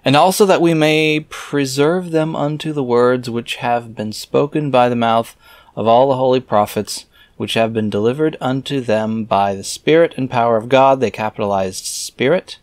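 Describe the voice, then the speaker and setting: In a dry recording, a man with a mid-range voice reads scripture at a moderate pace as reader and commentator. He interrupts himself with offhand, wry, skeptical comments, sometimes muttering as he thinks aloud.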